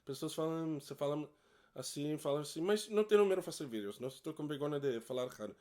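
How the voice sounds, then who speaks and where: Native English-speaking man teaching in Portuguese with an English accent, a bit high-pitched, direct and upbeat, repeats every point in both languages. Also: expressive, fast talker, mellow. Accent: English speaker learning Portuguese. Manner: encouraging, direct. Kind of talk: casual bilingual lesson.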